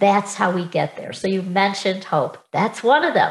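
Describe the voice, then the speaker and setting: A woman speaks at medium pitch in an animated tone, with ordinary pitch variation. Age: 70s. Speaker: health coach trainer. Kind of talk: interview.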